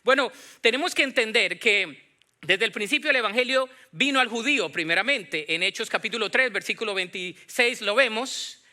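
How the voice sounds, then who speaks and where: A man with a Latin American Spanish accent preaching as a pastor in a conversational, animated way, putting questions to his listeners. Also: high-pitched, moderate pace. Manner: animated, acts out imagined dialogue, questions the congregation. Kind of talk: conversational Bible-teaching sermon.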